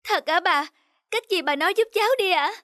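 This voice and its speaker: A woman voicing a kind, wise old woman in a cartoon, speaking slowly and soothingly, with music playing underneath. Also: very high-pitched, a bit bright, no echo, studio quality, voice pushed up. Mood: gentle, soothing. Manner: slow, soothing, grandmotherly. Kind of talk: cartoon voice acting.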